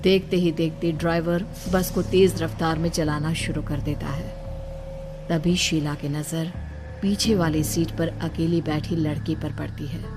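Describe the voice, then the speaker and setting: Low-voiced woman narrating a cartoon story. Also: fairly even intonation, unhurried.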